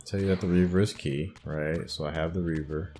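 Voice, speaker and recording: Low-voiced man musing through a game. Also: steady tone, a little fast, dark tone, slight background noise. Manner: musing, thinking aloud. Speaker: gamer narrating a playthrough. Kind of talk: casual let's play commentary.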